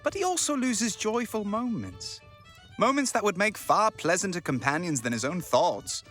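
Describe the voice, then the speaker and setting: An actor playing a jovial, hearty, good-natured young nephew in a Victorian audio drama. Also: male voice, sits high, moderate pace, soft background music. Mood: good-humoured, pitying. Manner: merry, hearty, animated.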